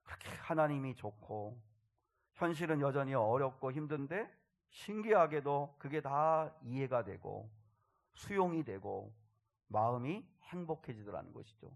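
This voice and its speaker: Male pastor preaching, mid voice, earnest story, goes quiet then swells up. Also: mid-range voice, animated, measured pace, vocal fry. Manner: earnest storytelling, soft drops and swells in loudness. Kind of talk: sermon.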